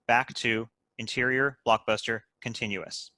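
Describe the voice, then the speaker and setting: A man reading stage directions as scripted narration for an animated comedy table read. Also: mid-range voice, a little slow, dry recording.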